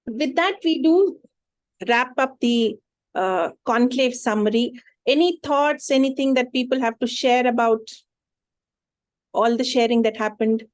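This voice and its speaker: Brisk Indian woman hosting a call. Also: a little high, no echo. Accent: Indian English. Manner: friendly, brisk, wrapping up. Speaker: meeting host. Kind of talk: hosting an online meeting. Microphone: video call.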